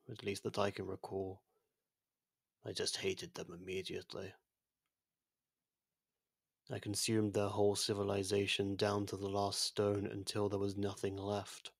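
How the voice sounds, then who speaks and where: Ancient world-ending entity for ASMR audio roleplay, male performer. Gravelly, even delivery, soft, formal and gently confiding. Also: lowish voice, no room sound, clean studio sound. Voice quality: husky, creaky, soft. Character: ancient genocidal otherworldly being, imprisoned, now courteous and fond.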